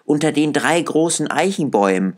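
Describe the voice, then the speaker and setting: A man's voice: fairly high pitch, expressive, normal speed, pitched above the performer's own voice, natural voice. A man voicing a sweet, trusting little girl in a fairy tale, innocent and eager.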